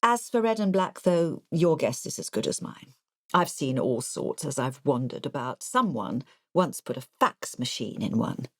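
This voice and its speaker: Audiobook narrator: elderly English ex-nurse, artless and confiding, low register, lively inflection, dry close sound. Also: female voice, a little slow, no room sound, heavily acted. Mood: confiding, digressive. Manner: confiding, digressive, matter-of-fact. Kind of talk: audiobook first-person narration.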